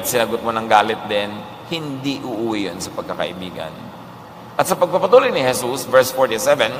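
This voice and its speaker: A male preacher with a Filipino accent, giving a sermon and mixing Filipino with English, reading scripture verses slowly and deliberately. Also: mid-range voice, fairly bright tone, reverberant, long reverb tail, slight background noise.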